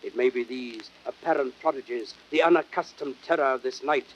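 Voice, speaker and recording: A man's voice: medium pitch, fairly quick, close to an everyday voice. A man playing a bitter, persuasive Roman nobleman who plots, in declamatory, impassioned classical Shakespearean style. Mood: grave. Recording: noisy old audiodrama record.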